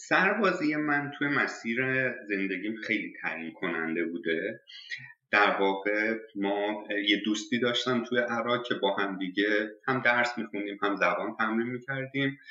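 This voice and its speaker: Ordinary pitch variation at a moderate pace, noticeable background noise underneath. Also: man, medium pitch for a man. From Iran, Arak. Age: 30s. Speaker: founder of an online education startup. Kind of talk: interview.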